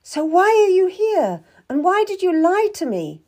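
A woman's voice: very high voice, very animated, a little slow, a little mellow, voice pushed up, exaggerated voice. A woman voicing an impetuous, distressed young girl in a storybook, urgent and pleading as she demands answers. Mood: upset, demanding.

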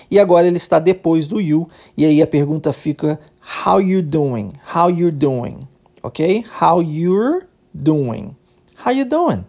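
Encouraging Brazilian woman teacher, lively pitch. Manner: patient, encouraging, models phrases slowly and high. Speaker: English teacher. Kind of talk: language lesson with repeat-after-me drills.

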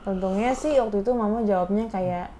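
A young woman, co-hosting a casual chat and recounting her story in quick phrases that trail off with fillers. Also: mid-range voice, mellow, slight background noise.

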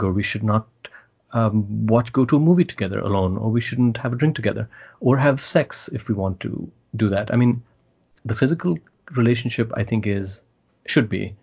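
A man's voice: lowish voice, moderate pace, creaky, a little mellow, breathy edge, lo-fi sound. A middle-aged man with a South Asian accent, talking casually and articulately about his opinions, mixing Hindi-Urdu into English and swearing freely.

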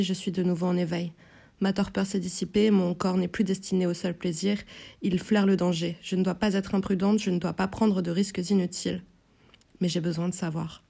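A woman narrating a novel in first person, in a measured, inward, tense way. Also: fairly low pitch, gravelly, dark tone. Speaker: audiobook narrator.

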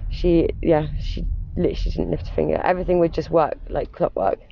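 A man's voice: fairly high pitch, very animated, a little fast, creaky, dull audio. A British man chatting casually as an interview guest, telling anecdotes in a gushing, emphatic way. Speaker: interview guest, former personal assistant to wealthy clients.

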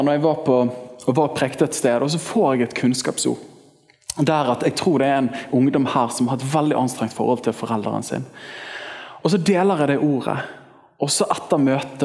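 A thirty-year-old man preaching at a church service as pastor, telling stories in a lively way and leaping up in pitch when excited. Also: in a large hall. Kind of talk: sermon.

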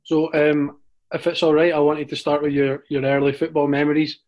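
A man interviewing a guest, asking measured, hesitant questions. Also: fairly high pitch, level tone, a little mellow. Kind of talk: casual interview.

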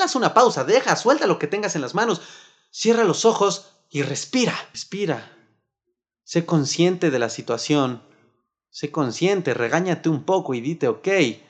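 A man with a Mexican Spanish accent giving a motivational self-help talk, lively and acting out little stressed outbursts. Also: on the high side.

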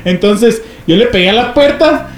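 A young man with a Mexican accent, co-hosting a podcast and telling a story in a lively, slangy way, acting out what others said. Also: high voice, normal speed. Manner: animated, slangy, laughing, acts out others' lines. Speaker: podcast co-host. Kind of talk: casual storytelling among friends. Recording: echoey room, faint background noise.

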